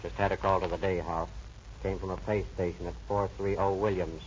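A flat police dispatcher over a car radio loudspeaker. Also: male voice, sits low, brisk. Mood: urgent. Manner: clipped, flat call-out delivery. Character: male police radio dispatcher calling cars. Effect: heard over a police car radio loudspeaker. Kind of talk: old-time radio drama acting. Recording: dull lo-fi old recording with loud hiss.

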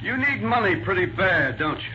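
Brief: impatient American cop, hard-edged and highish voice, brusque slang, vintage radio crime show, dull noisy sound. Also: male voice, sing-song, normal speed, sharp tone, full character voice. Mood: interrogating. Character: gruff, impatient, no-nonsense male police sergeant. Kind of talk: 1940s radio acting. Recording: muffled, noisy 1940s radio recording.

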